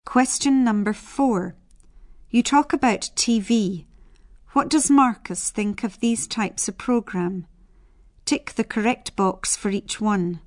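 A woman narrating scripted listening exam instructions in a measured, neutral manner. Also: mid-range voice, no room sound, clean studio sound.

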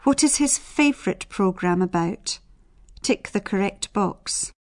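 A woman reads scripted exam instructions. Her voice sits at an average pitch, with a slow, measured, neutral delivery and a dry sound free of echo. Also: animated. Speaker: exam narrator.

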